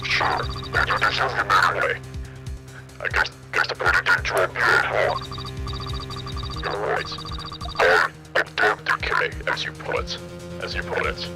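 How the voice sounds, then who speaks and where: A man's voice: low-pitched, fairly even intonation, a little slow, pauses often, music in the background. A man voicing a mysterious, mocking male phone caller whose voice is disguised by a voice changer. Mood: smug. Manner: smug, mocking. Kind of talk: reading game dialogue aloud.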